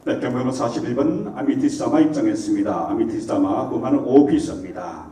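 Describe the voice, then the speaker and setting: A man working as a live auctioneer, announcing lots and repeating price calls with rising pitch. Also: animated, brisk, warm tone. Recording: roomy echo, distant mic, faint noise.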